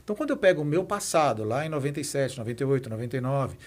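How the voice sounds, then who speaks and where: He's a Brazilian podcast guest in his fifties, president of a nonprofit institute, sharing personal stories through conversational interview answers. Though reflective and explanatory in content, his mid-range voice comes out very animated and rapid-fire.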